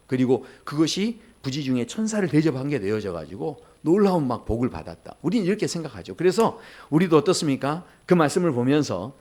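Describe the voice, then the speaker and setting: A man pastor preaching a sermon in a church, talking straight to the congregation and acting out the voices in the stories he tells. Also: fairly high pitch. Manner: lively, acts out voices in quoted dialogue; talks directly to the congregation with questions. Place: church sanctuary.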